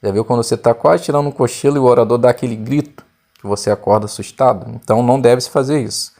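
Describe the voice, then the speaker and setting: Brazilian man, mellow relaxed voice, Bible reading lesson, plain explaining tone, frequent "né". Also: mid-range voice, quick pace. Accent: Brazilian Portuguese. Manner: plain explaining tone with frequent "né" tags, raising voice for quoted speech.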